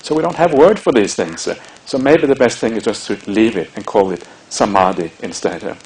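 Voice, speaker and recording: A man with a Norwegian accent giving a measured, explanatory Buddhist dharma talk, with frequent hesitations. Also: on the low side, darkish tone, rough recording. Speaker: Buddhist monk teacher.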